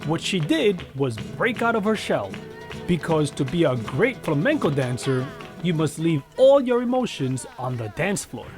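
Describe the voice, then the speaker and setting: A man's voice: a little high, very animated, normal speed. A man narrating a documentary in a scripted, storytelling manner. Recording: flamenco music behind narration. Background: flamenco music.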